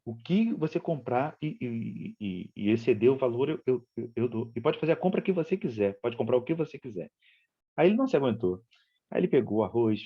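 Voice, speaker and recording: In a spiritist lecture, a man with a Rio de Janeiro Brazilian Portuguese accent tells a story conversationally and acts out its dialogue. His fairly low voice has vocal fry and a slightly rough edge, captured in narrow, tinny audio.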